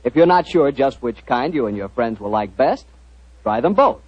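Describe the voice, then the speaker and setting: Man, radio announcer, persuasive pitchman, lively pitch, dry, muffled 1940s radio sound. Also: moderate pace, slightly rough, dry recording. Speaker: radio announcer and show host. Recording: muffled old radio broadcast.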